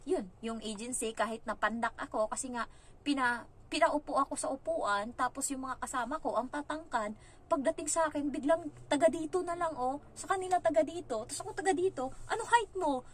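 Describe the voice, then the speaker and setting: A young woman from the Philippines telling her story casually as a vlogger, chatty and animated, acting out other people's lines in passing. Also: high voice, a little fast.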